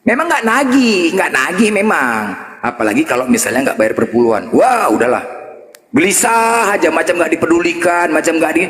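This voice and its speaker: A man's voice: fairly high pitch, lively intonation, normal speed, a bit bright. A man telling a story in a debate chat, teasing, laughing and mimicking the people he quotes. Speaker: Muslim apologist debater. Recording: echoey room with long reverb.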